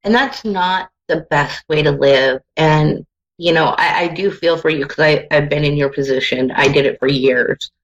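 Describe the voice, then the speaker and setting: A woman's voice: deep voice, moderate pace, muffled recording. A woman giving soothing advice as a psychic on a hotline-style radio show, addressing the caller with endearments.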